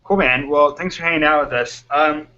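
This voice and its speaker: A man hosting a casual video chat from a hotel room, chatty and quick to laugh. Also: fairly high pitch, pushed and bright. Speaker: host. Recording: lo-fi web call audio.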